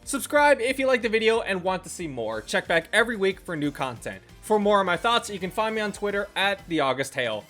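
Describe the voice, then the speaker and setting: A game reviewer narrating a scripted video in an expressive, tongue-in-cheek way. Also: medium pitch, brisk, few pauses. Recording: voice-over with faint music underneath. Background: faint background music.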